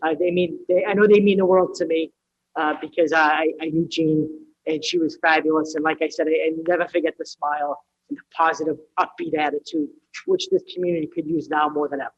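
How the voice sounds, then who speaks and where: Halting councilor with a dull, muffled sound. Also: male voice, a little high, fairly even intonation. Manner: halting, with frequent fillers. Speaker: city councilor. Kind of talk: council meeting remarks. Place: council chamber.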